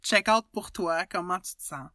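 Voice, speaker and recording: Bright-voiced Quebec French woman, reflective. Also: fairly low pitch, normal speed, no room sound, studio quality. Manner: thoughtful, hesitant, many restarts. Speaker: podcast co-host. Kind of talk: reflective casual chat.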